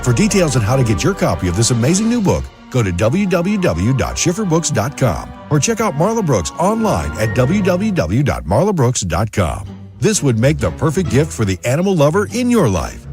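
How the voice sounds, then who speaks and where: A man's voice: mid-range voice, huge pitch swings, normal speed. A man reading a scripted book promo as an emphatic advertisement announcer. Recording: music bed under voice. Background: clear background music.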